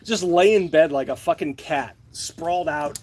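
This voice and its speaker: A man's voice: on the high side, moderate pace. Man, podcast host, casual chat, joking, swears a lot, faint background noise. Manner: animated, joking, swears freely.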